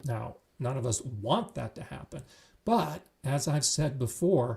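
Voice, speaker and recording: With vocal fry and lively intonation, the voice moves at a fairly slow pace. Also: man, medium pitch for a man. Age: 60s. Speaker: gardening channel host. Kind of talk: live-stream talk.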